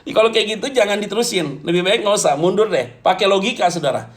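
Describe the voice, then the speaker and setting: A man preaching to a congregation as pastor, animated and jokey, often turning to address his listeners directly. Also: high voice, fast talker. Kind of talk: lively humorous sermon.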